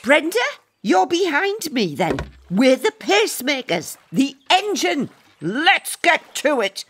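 A woman's voice: sits high, big pitch swings, takes it slowly, a bit bright, slight background noise, exaggerated voice. A woman voicing a bossy, competitive elderly female crew leader in a cartoon, with a commanding, rallying manner. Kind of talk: animated comedy character acting.

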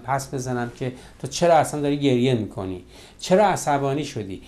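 A man's voice: mid-range voice, a little mellow. A middle-aged man, a marriage counselor, lecturing on relationships and acting out couples' quarrels in quoted voices.

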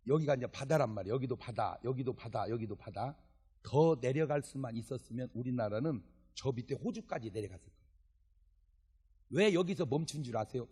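A man's voice: medium pitch, slightly rough. A male pastor preaching a sermon at a church revival service, telling jokey stories and acting out dialogue. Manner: animated, joking storytelling with acted dialogue.

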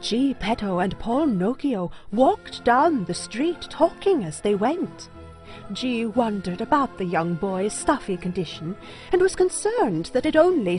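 A woman narrates a story at an unhurried, slow pace with lively intonation. Music runs softly behind her. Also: medium pitch.

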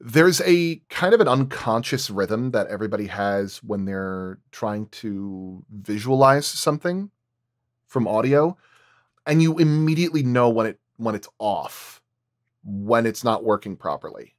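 A man's voice: on the low side, lively intonation, a little slow, no echo. Man explaining his craft, dry close sound. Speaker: sound designer. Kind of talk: explaining craft in a roundtable discussion.

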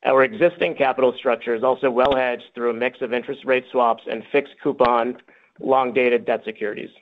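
A man reads a scripted financial report as a company executive. His pitch is medium, and the sound is narrow and phone-like, as on a conference call. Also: steady tone, brisk. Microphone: conference call line.

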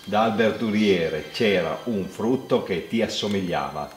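A man's voice: lowish voice, a little slow. A man in his thirties, a guest chatting casually and playfully in a room at home. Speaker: guest in a lip-reading game. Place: home living room with staircase, indoors. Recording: echoey room with background noise.

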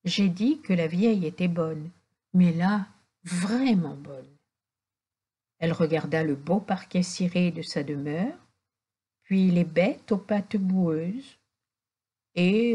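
A woman reading a children's tale aloud as an audiobook, in a gentle storytelling cadence. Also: fairly low pitch, husky. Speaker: audiobook reader.

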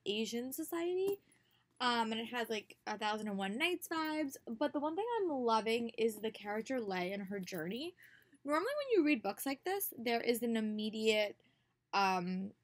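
A young woman and teacher talking casually in a reading vlog, chatty with many fillers and restarts, recorded on a laptop webcam in a small bedroom. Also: fairly high pitch. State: slightly hoarse from a cold. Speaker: book vlogger and teacher. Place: small bedroom with bookshelves and posters. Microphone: laptop webcam at close range.

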